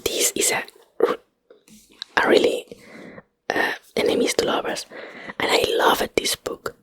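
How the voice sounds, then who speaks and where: A woman's voice: unhurried, fairly bright tone. Whispering woman with a Spanish accent. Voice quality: breathy unvoiced whisper. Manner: hesitant, rambling, searching for English words. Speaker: ASMR video host. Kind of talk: whispered ASMR ramble, casual chat. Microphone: close microphone.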